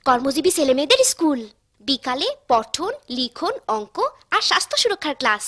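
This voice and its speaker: Woman voicing bright eager cartoon girl. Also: sits high, very animated, brisk, no room sound, studio quality. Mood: reading. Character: cheerful curious village girl. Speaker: narrator and lead character. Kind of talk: cartoon voice acting.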